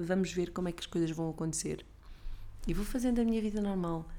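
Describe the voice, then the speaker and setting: A woman with a European Portuguese accent on a very clean recording with a silent background. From Portugal, rural village near Seia. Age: 20s. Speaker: podcast host. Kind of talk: casual solo monologue.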